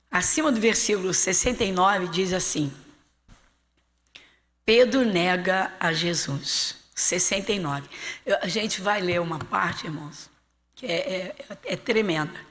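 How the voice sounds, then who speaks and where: Brazilian woman pastor preaching in a reverberant hall. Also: fairly low pitch. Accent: Rio de Janeiro Portuguese. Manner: animated preaching, slowing to read scripture aloud. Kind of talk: Bible class teaching. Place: church hall.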